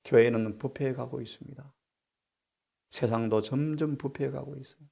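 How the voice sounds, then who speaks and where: A middle-aged man preaches a sermon in a gravelly voice at an ordinary mid pitch. He keeps asking his congregation rhetorical questions. His delivery moves between hushed phrases and sudden loud, emphatic bursts. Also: fairly even intonation, normal speed. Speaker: pastor.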